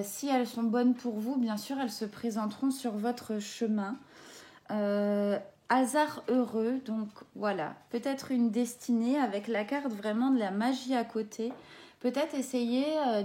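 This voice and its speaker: French woman, oracle reader, mellow and a bit high, gentle and halting. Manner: gentle, hesitant, many fillers. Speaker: tarot and oracle card reader. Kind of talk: reading oracle card texts and commenting.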